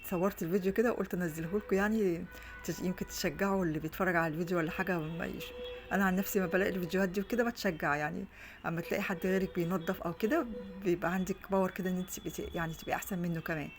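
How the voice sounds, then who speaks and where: Rapid chatty Egyptian woman vlogging at home. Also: lowish voice, steady tone. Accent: Egyptian Arabic. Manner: chatty, rambling, many restarts. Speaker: vlogger and mother. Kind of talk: casual home vlog chat. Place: her home, indoors. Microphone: phone on a stand.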